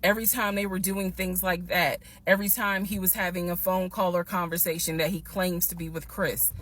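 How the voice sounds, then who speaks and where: A woman casually telling a personal story to her viewers, animated and emphatic, slowing down to stress the key points. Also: on the low side. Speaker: storytime vlogger.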